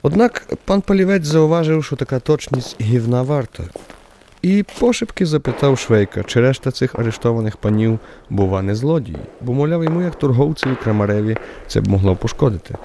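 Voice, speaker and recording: A man narrating a literary radio drama as the wry author's voice, in an expressive, theatrical way. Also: mid-range voice, brisk, slight background noise, natural voice.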